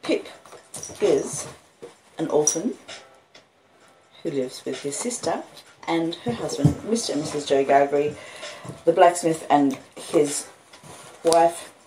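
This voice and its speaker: Slow, low-voiced Australian woman livestreaming. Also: warm tone. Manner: unhurried, rambling, with halting pauses. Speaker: host of a live-streamed book reading. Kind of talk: casual livestream chat. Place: front room of a house with street noise. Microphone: phone and an old laptop. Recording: noisy home phone recording. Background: street noise, house creaks, puppy, lo-fi beats.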